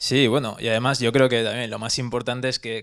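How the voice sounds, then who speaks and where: A man is speaking here. His pace is very fast. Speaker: university student. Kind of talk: panel talk at a public event. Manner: fast, poorly enunciated.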